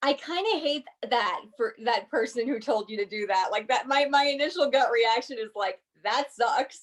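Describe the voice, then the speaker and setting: A woman's loud, high voice with lively intonation at a moderate pace. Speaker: poet. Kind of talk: casual chat. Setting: video call.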